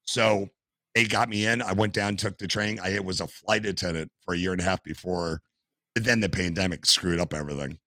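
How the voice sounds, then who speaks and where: An older American man, a retired firefighter, telling animated stories as a podcast guest over a video call. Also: deep voice, fairly quick, no echo. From United States. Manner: animated anecdotal storyteller. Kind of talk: casual storytelling interview. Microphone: headset.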